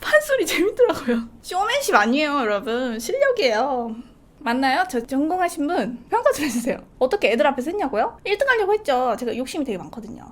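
A young woman YouTuber telling a school story to her viewers, animated, laughing often and breaking into bits of singing. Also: high-pitched, fast talker. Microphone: studio condenser mic.

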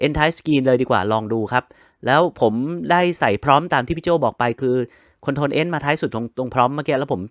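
A man of ordinary pitch explains a screen reader in a loose, chatty way, spelling out each key combination as he goes. The sound is dry and close, with no room echo. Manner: chatty, spells out keystrokes step by step. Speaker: host of a computer help channel. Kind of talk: casual screen-reader tutorial.

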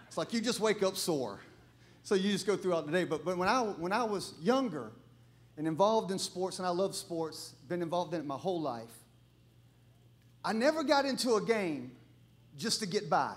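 A middle-aged male pastor, preaching a sermon full of humorous, animated stories and bursts of shouting. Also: high voice, normal speed. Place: church.

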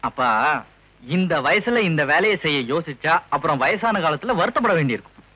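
A joking son dodging questions, high, husky, animated. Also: male voice, brisk, exaggerated voice, low-quality recording. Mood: teasing. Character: cheeky young son, joking and evasive. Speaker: young son starting a business. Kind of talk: 1980s Tamil film comedy.

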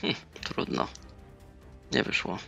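A man's voice: slow pace, sharp tone, dull audio. A man playing a tabletop role-playing game, hesitant and thinking aloud in casual talk. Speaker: player. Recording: music under the voice. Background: background music.

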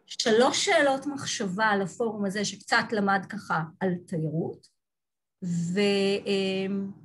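A woman giving an online lecture from slides on a video call, talking thoughtfully with frequent restarts and pauses. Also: medium pitch. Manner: thoughtful, halting, many restarts.

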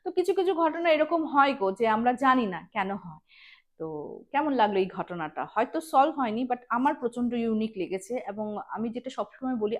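A woman hosting a ghost story show, telling tales informally and chattily, addressing listeners directly and mixing in English words. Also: a little high.

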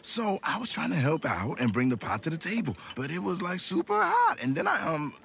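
A flustered young guy in a radio ad, his voice swooping wildly up and down with a gravelly edge. He rambles sheepishly. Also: high-pitched, huge pitch swings, brisk, a bit bright, slight background noise, full character voice. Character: flustered young man confessing a spill.

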